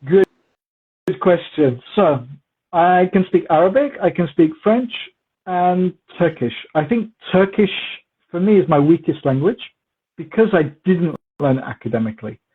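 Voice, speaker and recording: Over muffled, phone-like audio, a husky, high-pitched man answers questions casually as a guest English teacher. He takes his time, stays relaxed, and repeats points for emphasis while slipping in Turkish words.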